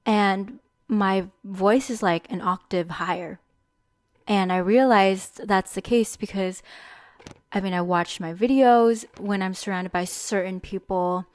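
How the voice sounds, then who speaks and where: A woman's voice: mid-range voice, takes it slowly, no echo, clean studio sound. A young woman hosting a solo podcast, talking candidly and thinking aloud about what she has learned. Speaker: podcast host. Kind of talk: solo reflective podcast monologue.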